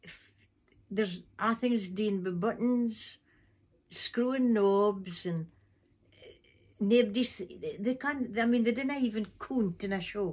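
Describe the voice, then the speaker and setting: Speaking in a northeast Scottish accent, a woman with a fairly high, somewhat breathy voice and ordinary pitch variation goes at a very slow pace with long, frequent pauses. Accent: north-east Scots (Doric). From Scotland, north-east, Fraserburgh area. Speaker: gansey knitter. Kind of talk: interview. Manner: halting.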